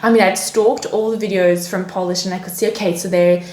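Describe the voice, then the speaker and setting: This young woman, a native French speaker from France, talks a little fast in a lowish, darkish voice with fairly even intonation. She's a podcast guest chatting casually, with many fillers and restarts, in an echoey room.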